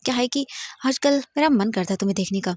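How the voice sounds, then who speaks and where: A woman's voice: a little high, fast talker, darkish tone, no echo, natural voice. Woman narrator voicing a playful young husband, teasing and mock-hurt, dry close sound.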